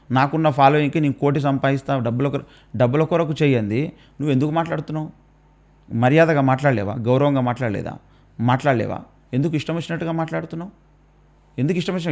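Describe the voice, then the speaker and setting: A man speaking with a Telangana Telugu accent, his voice sitting a touch higher than most men's. He rebukes like a preacher, piling up rhetorical questions and repeating his warnings again and again. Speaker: Christian commentator. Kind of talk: preachy rebuttal.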